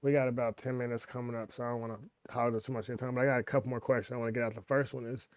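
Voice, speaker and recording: A man's voice: medium pitch, little pitch movement, racing, no echo. A man hosting an interview, asking long casual questions with slangy, encouraging reactions. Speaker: podcast host.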